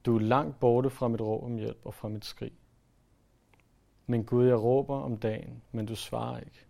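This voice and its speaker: A man preaching a sermon in an earnest way, pressing his points hard and then letting his voice fall soft. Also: mid-range voice, steady tone, vocal fry. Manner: earnest, rises to emphatic then drops to soft.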